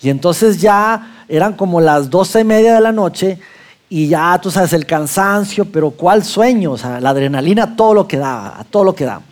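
A man with a Mexican accent telling a lively personal anecdote to an audience, acting out his own lines as he goes. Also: high-pitched, moderate pace.

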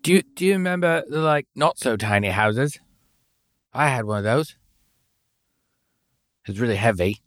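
A man playing a deadpan, offbeat henchman in a comedic audio drama. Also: mid-range voice, moderate pace, long pauses, dry recording, close to an everyday voice. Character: odd male henchman with put-on accent.

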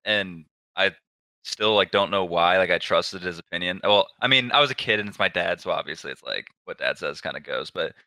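A man in his twenties, a pro gamer guest, telling stories in a relaxed, low-key way with lots of fillers. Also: fairly quick, dry recording. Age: 20s. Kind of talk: casual interview storytelling.

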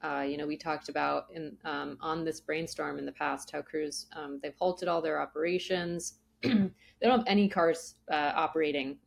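Lowish-voiced woman explaining analysis. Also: steady tone, moderate pace, creaky. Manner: explanatory, poses questions and answers them. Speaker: analyst guest on an investment show. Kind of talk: conversational analysis.

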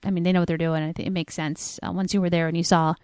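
A woman's voice: lowish voice, little pitch movement, racing, a little mellow, smooth, no room sound, clean studio sound. A woman chatting casually and upbeat as a podcast co-host, with many likes. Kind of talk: casual chat recapping a race.

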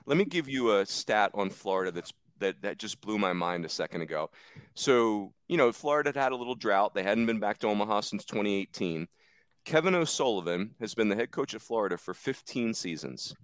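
Lively low-voiced podcast host. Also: male voice, brisk, no echo. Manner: emphatic, stresses numbers. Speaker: podcast host steering the discussion. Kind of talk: casual sports podcast talk.

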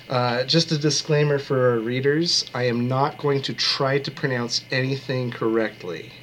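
A man's voice: medium pitch, steady tone, measured pace, fairly bright tone, a little hiss or hum. A man co-hosting a book podcast, reading a plot summary with dry, joking delivery. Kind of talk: casual book podcast chat and read summary.

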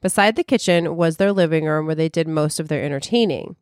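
A woman's voice: sits low, a little fast, a little mellow, dry recording, studio quality. A woman co-hosting a podcast, chatting casually and reading a listener's story aloud with frequent restarts. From Chicago. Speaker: podcast co-host.

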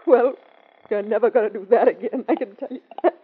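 A sassy, defiant dame who talks in street slang, her voice pitched high. The old radio broadcast has a dull, muffled sound. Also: brisk, slightly rough. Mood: indignant. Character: brash tough-talking young woman, sassy and defiant. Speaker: anonymous telephone informant. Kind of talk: 1940s radio acting.

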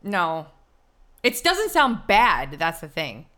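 Casting: female talk co-host, forceful and clear-cut tone, slightly low, informal explainer. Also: wildly swooping pitch, slow. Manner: informal, explanatory, laughs easily. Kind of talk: casual live commentary, reading aloud.

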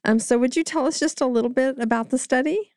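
A woman's voice: high voice, fast talker, darkish tone, no echo, studio quality. A woman co-hosting a podcast, asking friendly questions in a casual conversation. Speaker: podcast co-host.

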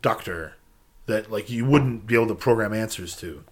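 A man co-hosting a podcast in casual chat, mostly brief interjections and measured, skeptical remarks. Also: lowish voice. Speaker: podcast co-host.

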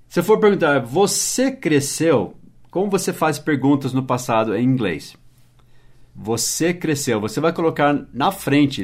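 A man hosting a casual English lesson podcast, explaining patiently and spelling words out letter by letter. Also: fairly high pitch. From United States and Brazil. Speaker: English teacher and podcast host.

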